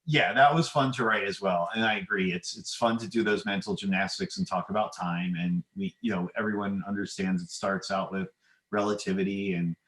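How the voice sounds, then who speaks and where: Halting, lowish-voiced man explaining ideas. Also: a bit bright. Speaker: author, podcast guest. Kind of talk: conversational interview answers.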